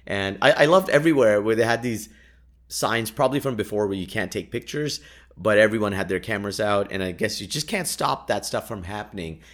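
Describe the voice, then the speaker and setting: A man's voice: lowish voice, lively intonation, brisk, fairly bright tone. A young man, a native Urdu speaker, telling travel stories in a chatty way, full of fillers, restarts and laughs. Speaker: podcast host. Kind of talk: casual travel storytelling.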